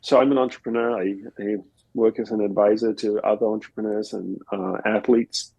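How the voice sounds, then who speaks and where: Male guest from Australia, low-pitched and breathy, reflective and explanatory; dry close recording. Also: fairly even intonation, a little fast, mellow, dry recording, lo-fi sound. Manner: reflective, explains in plain step-by-step examples. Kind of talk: relaxed conversational interview answers. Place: home in Costa Rica.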